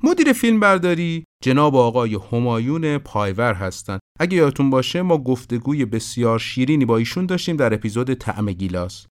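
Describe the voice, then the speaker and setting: A man hosting a podcast, narrating production history in an informative, steady way. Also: medium pitch, few pauses. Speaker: podcast host. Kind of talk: scripted narration about film production.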